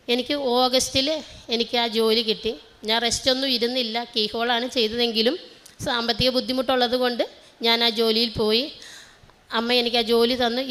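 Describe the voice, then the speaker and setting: A middle-aged woman from Kerala sharing a heartfelt personal religious testimony, earnest and halting with restarts. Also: fairly high pitch, sharp tone. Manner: emotional, grateful. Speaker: testimony giver.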